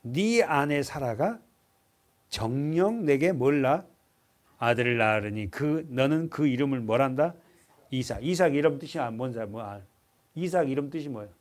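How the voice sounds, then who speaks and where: A man's voice: mid-range voice, expressive, normal speed. A male pastor preaching an expository sermon in a church. He keeps asking the congregation questions and answering them himself, and he calls on them to read scripture aloud.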